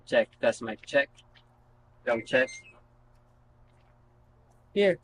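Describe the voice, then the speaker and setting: Male product reviewer, casual and unscripted, halting instructional delivery, noisy home-style recording with hum. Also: mid-range voice, lively intonation, a bit bright. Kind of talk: casual unscripted gadget demonstration. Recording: noticeable background noise and hum.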